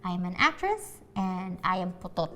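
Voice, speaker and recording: A woman's voice: medium pitch, a bit bright. A young woman, speaking English as an after Bisaya. She talks in an earnest, reflective way in a documentary interview, with faint music underneath. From Philippines. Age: 20s. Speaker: actress.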